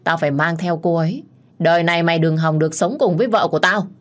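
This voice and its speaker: A woman voicing a crazed, violent young man with a knife, shouting menacingly. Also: on the low side, steady tone, fast, natural voice. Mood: furious.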